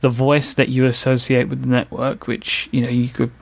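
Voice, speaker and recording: A man's voice: mid-range voice, little pitch movement, normal speed, creaky. London man with glottal stops. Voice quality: dropped T's and H's, glottal stops. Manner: slightly slurred consonants. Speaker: podcast host. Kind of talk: casual podcast conversation.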